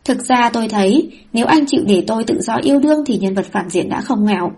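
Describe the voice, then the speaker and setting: A woman's voice: fairly high pitch, animated, quick pace, darkish tone, husky. A woman voicing a flippant young heroine in an audiobook reading. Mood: breezy. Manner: offhand, teasing.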